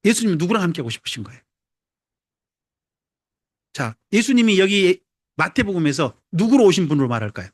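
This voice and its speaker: With a high, animated delivery, a pastor from South Korea's Jeolla region speaks briskly yet leaves long pauses, keeping things conversational and humorous. Questions to the congregation come often, and the close recording is dry with no room sound.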